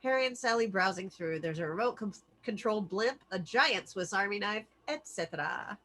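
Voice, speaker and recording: A woman acts as narrator for a script read. She has a medium-pitched, bright, crisp-edged voice and reads out stage directions. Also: expressive, moderate pace.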